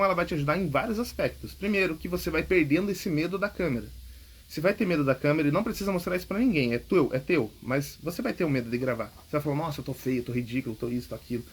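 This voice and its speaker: A man's voice: on the high side, breathy edge. A man hosting a public speaking podcast, coaching casually and emphatically, often checking in with "ok?". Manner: emphatic, repeats key points, frequent "ok?" checks. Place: home recording.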